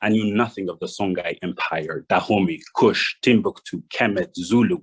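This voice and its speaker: A young man from Rwanda giving a prepared address, measured and read from notes with small restarts. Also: low-pitched, breathy edge, poor audio. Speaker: guest speaker.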